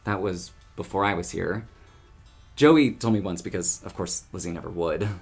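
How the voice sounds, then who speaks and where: A man playing a friendly, easygoing, chatty townsperson in an audio drama, talking in a casual, animated way. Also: low-pitched, moderate pace, slightly rough, faint music behind. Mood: confiding.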